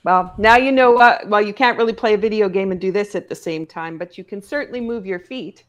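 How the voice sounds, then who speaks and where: A woman from Nova Scotia, chatting casually as an interview guest in an encouraging, gently teasing way. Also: mid-range voice, fairly quick, highs cut off. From Cape Breton, Nova Scotia, Canada. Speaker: podcast guest. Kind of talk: casual, playful interview chat.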